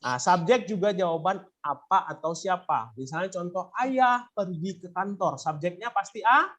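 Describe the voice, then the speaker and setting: A man's voice: sits high, expressive, moderate pace, a bit bright. A male teacher explaining grammar to students, asking questions and prompting them to answer. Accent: Indonesian. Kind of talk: classroom lesson.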